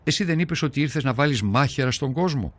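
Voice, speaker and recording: An actor as a troubled, devout early Christian. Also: male voice, mid-range voice, animated, natural voice. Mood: earnest. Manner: earnest, prayerful, brooding. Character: troubled devout early-Christian man recalling hard times. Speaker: documentary narrator. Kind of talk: dramatized first-person documentary narration.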